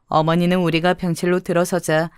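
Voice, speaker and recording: A woman reading a dramatized true story as narrator in an even, expressive scripted style. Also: lowish voice, fairly quick, clear, resonant tone, dry recording, clean studio sound.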